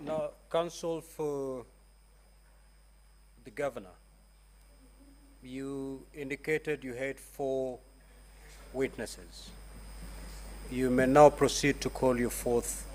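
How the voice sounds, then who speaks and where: Slow Kenyan man presiding formally. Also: mid-range voice, fairly even intonation, a little mellow, slight background noise. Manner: authoritative, halting. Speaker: speaker presiding over a senate hearing. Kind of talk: formal procedural announcements.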